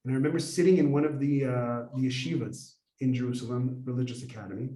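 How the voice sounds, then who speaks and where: A man in his forties, raised in America, telling a lively personal story to an audience as a Kabbalah teacher, acting out the dialogue as he goes. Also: medium pitch, fast, far from the mic. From United States. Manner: animated, acts out dialogue, many fillers. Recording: echoey room, voice from afar.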